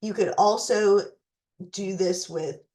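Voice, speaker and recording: Woman going thru recipes real slow, voice going hoarse, fighting a cough. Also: medium pitch, mellow. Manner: slow, deliberate, with fillers and restarts. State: losing her voice, fighting a cough. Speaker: recipe tutorial host. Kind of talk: reading a letter, then walking through recipes.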